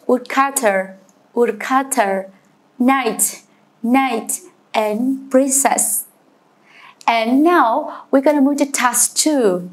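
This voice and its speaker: A young woman with a Vietnamese accent teaching English vocabulary, saying each word twice and then explaining it. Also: fairly high pitch. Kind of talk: bilingual vocabulary lesson.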